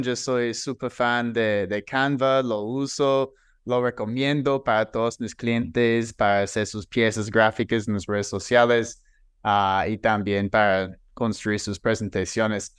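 Upbeat guy hosting a sales podcast, smooth clear voice, super dry close mic. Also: mid-range voice, unhurried, no room sound. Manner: energetic, asks long questions with fillers. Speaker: podcast host, sales expert.

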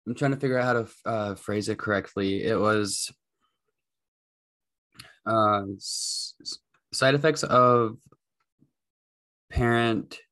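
A woman co-hosting a podcast, talking casually, slowly searching for her words. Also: very deep voice, fairly bright tone. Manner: slow, hesitant, searching for words. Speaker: podcast co-host. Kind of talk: casual chat. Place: room, sitting far from the mic.

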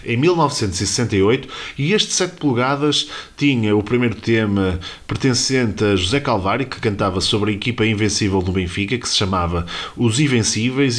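A man's voice: fairly low pitch, brisk. A man with a European Portuguese accent presenting informative scripted narration. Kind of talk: informative scripted narration about music history.

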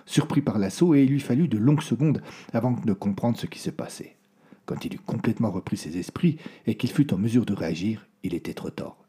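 A man narrating a story in a hushed, suspenseful way. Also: on the low side, breathy edge.

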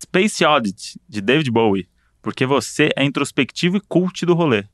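Brief: male co-host, mid pitch, teasing and jokey, dry close sound. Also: expressive, normal speed, fairly bright tone, no room sound. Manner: playful, joking, teasing. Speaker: podcast co-host. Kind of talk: casual chat, reading quiz options.

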